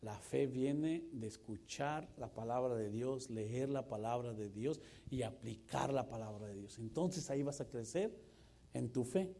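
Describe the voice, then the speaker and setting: A man, preaching a lively sermon that swings between loud and hushed. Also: medium pitch, unhurried. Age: 40s. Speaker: pastor.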